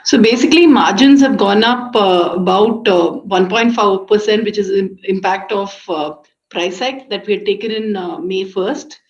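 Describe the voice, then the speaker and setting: A man's voice: high voice, moderate pace. A man speaking as a finance executive, explaining figures on an earnings conference call. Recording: muffled conference call audio.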